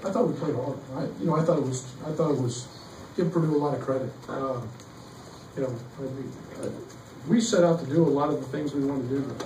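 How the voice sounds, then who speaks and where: A middle-aged man, a basketball coach, answering questions at a postgame press conference, halting with many fillers and restarts. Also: mid-range voice, mellow. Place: press room behind a table. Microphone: table mic, heard from some distance. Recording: echoey room, distant mic, faint noise.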